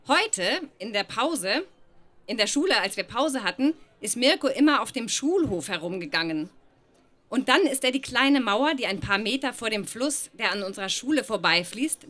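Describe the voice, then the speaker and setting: A woman's voice: mid-range voice, bright, forceful tone. A woman reading her childhood diary aloud at a live show, often laughing through the text.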